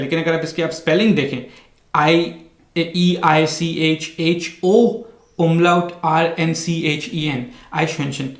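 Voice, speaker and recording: A man's voice: fairly high pitch, echoey room. A man hosting a casual explainer vlog. He talks patiently, spells words out letter by letter and mixes English words into his sentences. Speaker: vlog host.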